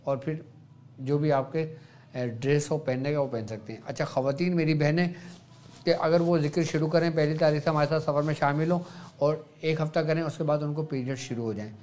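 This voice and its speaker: A man with a Pakistani Urdu accent, a Sufi spiritual guide, patiently explaining devotional practice step by step and softly demonstrating the chants. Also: on the high side, steady tone, a little fast. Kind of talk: religious instruction.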